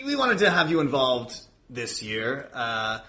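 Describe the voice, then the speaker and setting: Casting: man, average pitch, wry showman promoting casually, repeats himself, recorded in a roomy, echoing space. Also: very animated, a little slow, bright, forceful tone. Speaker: podcast guest, event promoter. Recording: roomy echo, faint background noise.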